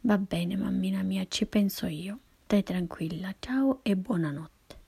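A woman voicing an eager, affectionate little girl calling her mother, softly whispered. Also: medium pitch, a little slow, gravelly, slightly rough, heavily acted. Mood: reassuring. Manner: calls out anxiously, childlike.

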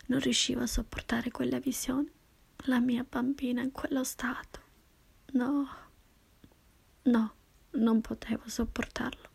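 A woman reading a first-person story in a slow, hushed, intimate whisper. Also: on the high side, vocal fry, breathy edge. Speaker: narrator.

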